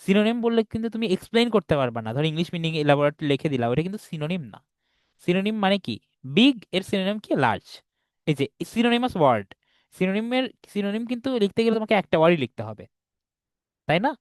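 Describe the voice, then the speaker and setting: A man's voice: high-pitched, very animated, racing, clean tone, no room sound. Patient male teacher on a video call. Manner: explains patiently, keeps checking students follow. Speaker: English teacher. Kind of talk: online class lesson.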